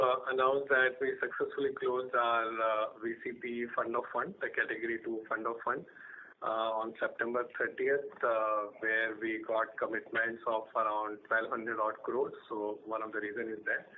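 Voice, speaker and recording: Indian executive on a noisy phone line. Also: male voice, on the low side, level tone, moderate pace. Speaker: company executive answering analysts. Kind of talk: earnings call answers. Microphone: telephone conference line. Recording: noisy narrow-band phone conference line.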